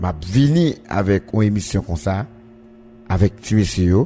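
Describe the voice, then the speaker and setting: At a very slow pace, a man with a Haitian accent speaks in a fairly low, dark and mellow voice with very wide pitch swings. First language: Haitian Creole (speaking French). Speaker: radio show host. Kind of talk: radio interview.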